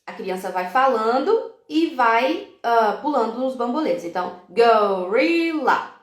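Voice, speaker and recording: A woman's voice: fairly high pitch, lively intonation, unhurried. Brazilian teacher woman, chatty step-by-step explainer, echoey room. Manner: chatty, explains step by step with English example words. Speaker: English teacher. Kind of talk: live-stream teaching talk.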